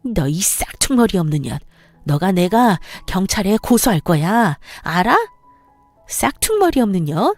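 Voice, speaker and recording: A woman voicing a bossy, spiteful older mother-in-law who scolds in a shrill, loud voice. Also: very animated, a little slow, no echo, faint music behind. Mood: furious.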